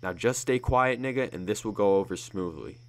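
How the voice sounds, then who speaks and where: A man voicing a tough, threatening young male gang member who swears and shouts in a raised voice. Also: lowish voice, animated, moderate pace. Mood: menacing. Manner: loud, swearing, aggressive.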